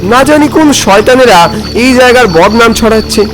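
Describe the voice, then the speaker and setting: A man narrating a first-person horror story in a theatrical, expressive way. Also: very high-pitched, moderate pace, rough recording. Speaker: narrator, telling as a film director character. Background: music.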